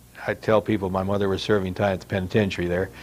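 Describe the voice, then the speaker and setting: A very clean recording, silent in the background, of a voice with an American accent. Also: man. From Minnesota. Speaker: war veteran. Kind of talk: oral history interview. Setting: library.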